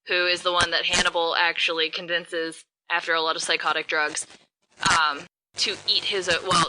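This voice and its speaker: Chatty woman with a lower voice. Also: heavy background noise. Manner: chatty, rambling, quick bursts of speech. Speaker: podcast co-host. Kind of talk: casual chat.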